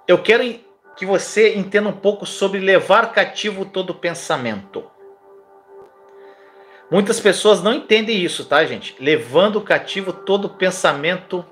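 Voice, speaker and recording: A man's voice: sits high, measured pace, a bit bright, faint music behind. A man preaching a live-streamed sermon, fervently urging listeners to repeat declarations aloud.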